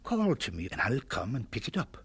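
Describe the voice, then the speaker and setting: A man playing a devoted, desperate Gypsy husband and father in an audio drama, earnest and pleading in a husky voice. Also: medium pitch, huge pitch swings, a little fast, exaggerated voice. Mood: earnest, tender. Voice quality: husky, breathy.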